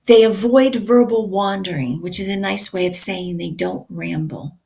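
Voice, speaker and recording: A woman coaching communication skills teaches to camera in a deliberate, emphatic way. Her medium-pitched voice is a little raspy after a night of yelling at a concert.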